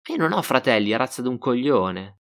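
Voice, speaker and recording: A man voicing a foul-mouthed, angry young woman who shouts insults in a raised, high voice. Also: very animated, moderate pace. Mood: furious.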